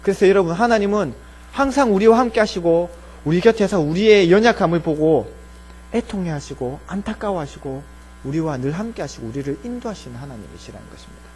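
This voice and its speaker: A male pastor preaching a Sunday sermon in a church, earnest, often dropping soft and low. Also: expressive, brisk, a little hiss or hum, poor audio. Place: church sanctuary.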